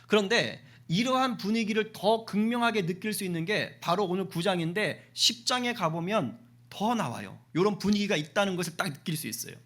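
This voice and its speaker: A male pastor preaching a sermon in a church, lively, often asking the congregation questions and acting out dialogue. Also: high voice, fairly quick, hardly any pauses. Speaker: senior pastor. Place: church sanctuary.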